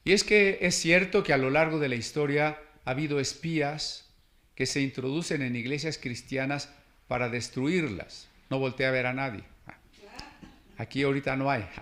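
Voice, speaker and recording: A middle-aged pastor preaching in a relaxed, conversational way. His voice sits at an ordinary pitch, and he keeps checking in with his listeners through little rhetorical asides. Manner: conversational preaching with frequent "¿no?" asides and personal anecdotes. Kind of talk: sermon.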